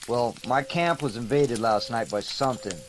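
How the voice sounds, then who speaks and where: A man's voice: mid-range voice, normal speed, lightly acted. Hesitant camper played by a man, faint noise. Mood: uneasy. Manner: hesitant, apologetic. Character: hesitant, polite male camper seeking help.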